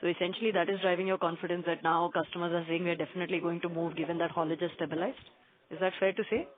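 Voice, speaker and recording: A woman's voice: fairly low pitch, little pitch movement, rapid-fire. A woman, politely asking questions as an analyst on a conference call. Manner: polite, addresses executive as sir. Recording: narrow phone line.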